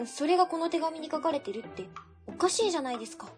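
A woman's voice: high-pitched, lively intonation, fast, over music. An actress playing a polite, methodical young female civil servant in an amateur web radio drama. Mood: insistent.

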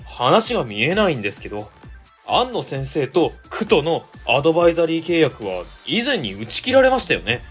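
An earnest young clerk in a radio play speaks with a husky voice, played by a man. His pitch moves a lot, and faint music plays underneath. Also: wildly swooping pitch, moderate pace, fairly bright tone, exaggerated voice. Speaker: ward office staffer. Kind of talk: amateur web radio drama acting.

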